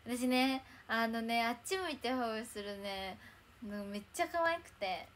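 A woman's voice: a little high, measured pace, very noisy. A young woman chatting casually on a livestream in a bubbly, chatty way, thanking viewers as they arrive. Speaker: idol livestreamer.

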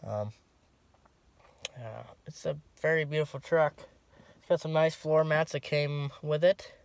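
A man's voice: a little high, measured pace, creaky, no echo. Young man rambling about his farm truck. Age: young adult. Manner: relaxed and rambling, many "um"s and restarts. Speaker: farm vlogger. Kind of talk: casual vlog walkaround. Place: inside a pickup truck cab and outdoors around it. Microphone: phone held at arm's length.

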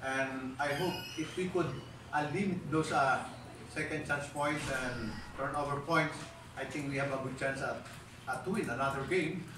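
A middle-aged man with a Filipino accent, a basketball coach at a press conference, speaking haltingly with many fillers and Tagalog phrases mixed in. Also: medium pitch, distant mic. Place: press room with a backdrop, seated at a table. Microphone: table mics heard from a far camera. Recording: echoey room from afar, noisy.

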